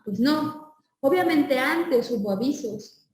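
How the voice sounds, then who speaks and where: Lady teacher lecturing, high voice, far off the mic in a roomy space. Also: expressive, slow pace. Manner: asks the class questions and answers them herself. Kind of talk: online class lecture.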